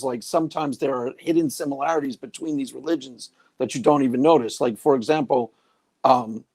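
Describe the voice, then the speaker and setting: A man's voice: medium pitch, a little mellow, slightly rough. A man hosting a live-stream interview, asking curious, chatty questions and laughing easily. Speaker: host.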